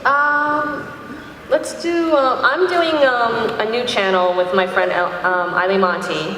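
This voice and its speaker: A woman's voice: a little high, steady tone, slow. A woman chatting informally and gigglingly as a panelist at a convention. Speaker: convention panelist, parody video creator. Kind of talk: casual chat on a panel. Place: large indoor convention panel room. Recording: very echoey noisy hall, crowd, far off. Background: loud crowd and room noise.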